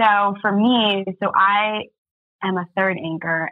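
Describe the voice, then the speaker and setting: A woman talks with an American accent. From Maryland, outside Washington DC. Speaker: TV news journalist. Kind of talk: casual interview. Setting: podcast recording.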